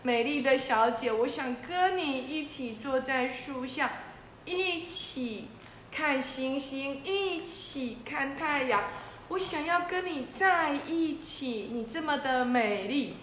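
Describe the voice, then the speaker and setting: A woman's voice: high-pitched, expressive, slow, fairly bright tone, roomy sound, slight background noise, full character voice. Woman doing a lovesick lion in a children's story. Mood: tender. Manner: exclaiming, pleading. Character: lovesick male lion, shy, easily upset.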